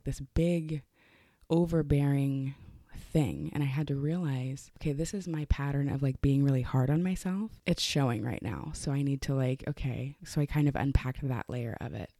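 A woman's voice: extremely low pitch, warm tone, no echo, studio quality. A woman hosting a casual self-help podcast, talking loosely with many fillers. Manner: chatty, lots of "like" and "you know" fillers. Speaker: podcast host.

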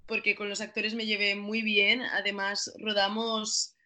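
A woman's voice: medium pitch, level tone, measured pace, pushed and bright. A woman in her twenties from Catalonia with a Spanish-from-Spain accent, chatting as an actress guest in an interview, apologetic and self-deprecating. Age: 20s. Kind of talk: casual interview.

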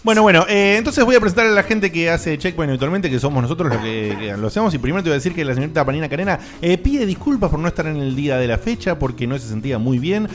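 Argentine guy hosting, talks fast, kinda higher voice, bit of music under. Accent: Argentine Spanish. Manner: animated, theatrical announcing. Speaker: podcast host. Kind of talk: casual group chat.

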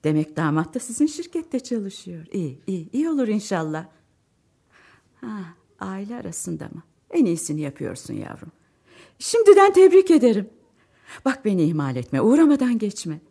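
A fretful, warm-hearted middle-aged mother in a radio drama. She talks chattily and emotionally, swinging between sighs and outbursts. Her pitch moves in wide, lively sweeps. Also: normal speed, vocal fry, breathy edge, heavily acted. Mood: worried.

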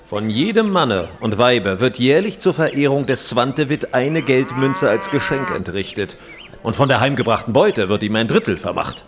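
Casting: male actor as knowing medieval merchant, formal old-fashioned speech, mid-pitched, highly expressive, faint ambience. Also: moderate pace, slight background noise, lightly acted. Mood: informative. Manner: formal, archaic, descriptive. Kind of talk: historical audio drama dialogue.

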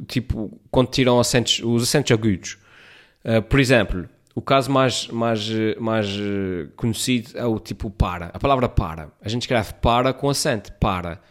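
A man with a European Portuguese accent, ranting to his viewers in a casual, rambling and sarcastic way, often restarting his sentences. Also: medium pitch. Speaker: vlogger. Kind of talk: casual talk to camera.

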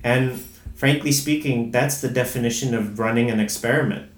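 A man from Indonesia talking as a podcast guest in a casual conversation, halting with many fillers and restarts and dropping in Indonesian words. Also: mid-range voice, roomy sound.

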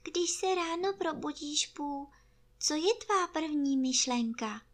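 A woman's voice: high voice, voice pushed up, lightly acted. A woman doing a small timid piglet. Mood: wondering.

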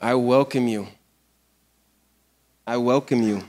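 American pastor, halting Portuguese, hall echo. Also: male voice, medium pitch, steady tone, a little mellow. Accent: American English. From United States. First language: English. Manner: halting learner's Portuguese, jokey asides. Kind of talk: sermon with live interpreter. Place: church hall.

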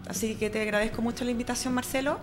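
A woman's voice: fairly high pitch, fairly even intonation, racing, over music. A woman with a Chilean accent chatting casually as a guest in a radio interview. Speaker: interview guest, ranchera band member. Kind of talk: casual chat. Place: online radio studio.

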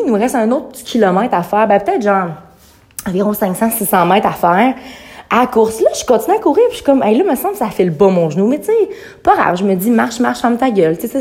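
A woman's voice: mid-range voice, darkish tone. Young female podcaster, Québécois accent, rambling casual storyteller who laughs often. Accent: Québécois French. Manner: rambling, chatty, mixes in English words, laughs often. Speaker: podcast host.

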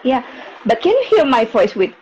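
A woman's voice: on the high side, sing-song, normal speed, darkish tone, slight background noise. A woman from Indonesia hosting a live podcast, speaking hesitant English full of fillers, with Indonesian as her first language. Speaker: podcast host. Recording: dull lo-fi sound.

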